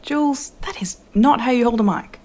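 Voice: medium pitch, moderate pace, darkish tone, lightly acted. A performer playing Armani, a blunt, no-nonsense young engineer. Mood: curt. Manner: curt, dry, bossy.

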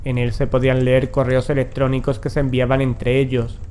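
A man playing a grave, determined occult investigator in a horror audio drama, speaking in a solemn, measured way. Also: medium pitch, monotone, darkish tone, a little hiss or hum, lightly acted. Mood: grave, ominous.

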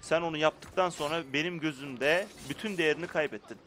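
Guy with a kinda high voice chatting over his gameplay, faint music behind, mock arguing with the npcs. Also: fairly quick. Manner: playful, talks to game characters in mock indignation; swings between muttering and loud outbursts. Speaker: gaming YouTuber. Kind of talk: casual gameplay commentary.

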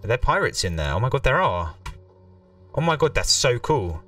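A man's voice: mid-range voice, big pitch swings, moderate pace, a bit bright, far from the mic, soft background music. A man giving casual, informal live commentary as he streams a video game, swearing now and then.

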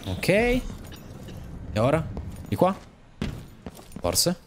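Giocatore animato, voce molto espressiva. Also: male voice, fairly high pitch, very slow, noisy background. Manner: animated, jokey, talks to the game characters. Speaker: gaming YouTuber. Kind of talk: excited gameplay commentary.

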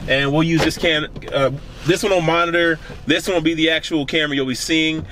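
A man's voice: on the high side, steady tone, fairly quick, low-quality recording. A man in his thirties chatting casually as a vlogger inside a truck, recorded on camera mics. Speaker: vlogger hosting his own show. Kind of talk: casual vlog chat while testing gear. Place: inside a pickup truck, often moving. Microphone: camera-mounted or onboard camera mics. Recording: loud car and road noise. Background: car engine and road ambience.

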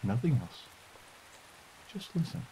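A man softly and slowly guiding a meditation as podcast host, in a soothing delivery. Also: medium pitch, very animated, low-quality recording. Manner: soft, slow, soothing delivery. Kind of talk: guided meditation. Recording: hiss and rain noise. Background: rain.

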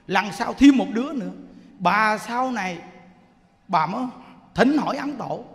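A man with a Southern Vietnamese accent preaching a Buddhist sermon in a lively way, often asking the audience questions. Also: very high-pitched. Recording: long hall reverb.

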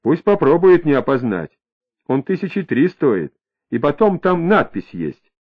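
A man voicing a capricious young woman who drifts between dreamy drawling and sharp, greedy retorts, in an audiobook reading with a tinny, phone-like sound. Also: on the high side, sing-song, measured pace, husky, heavily acted.

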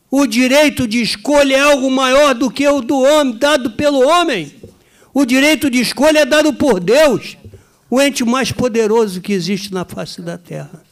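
An older retired police colonel giving an impassioned, declamatory speech at a hearing, repeating phrases for emphasis. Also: male voice, sits high. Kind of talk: formal committee speech.

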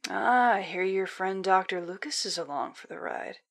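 A woman's voice: mid-range voice, animated, moderate pace, a bit bright. A woman playing a cold, condescending villainous spy commander in an audio drama. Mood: menacing, gloating. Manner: condescending, taunting, menacing.

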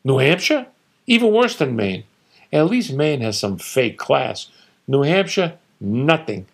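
A man's voice: mid-range voice, very animated, gravelly, slightly rough, pitched above the performer's own voice, heavily acted. A man voicing his opinionated older father, who rattles off dismissive, blustering put-downs. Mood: scornful. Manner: blustering, dismissive, rattling off rapid-fire insults. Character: opinionated older father boasting about his home state.

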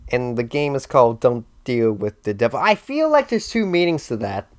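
A man's voice: mid-range voice, normal speed. A young man hosts a comedic scripted commentary, speaking to camera in an exaggerated, mock-dramatic way. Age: young adult. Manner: animated, exaggerated delivery with mock-dramatic asides. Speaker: YouTube host. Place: indoor room with bare wall. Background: faint music.

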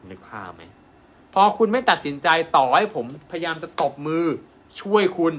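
A man, a doctor, giving an animated live-stream sales pitch and asking his viewers rhetorical questions. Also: normal speed. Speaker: acupuncture doctor selling an online course.

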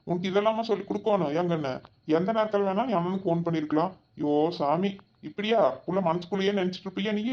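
In this cartoon voice acting, a man with a high, lightly acted voice plays a doting, protective village brother. He soothes and fusses, repeating endearments over and over. The audio is dull and lo-fi.

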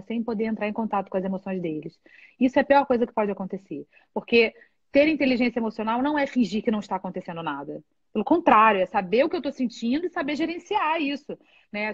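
High, husky Brazilian woman on a live stream. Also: no room sound, lo-fi sound. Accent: Brazilian Portuguese. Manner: candid and expressive, with frequent laughs. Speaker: guest in a live chat. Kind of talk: casual live video chat.

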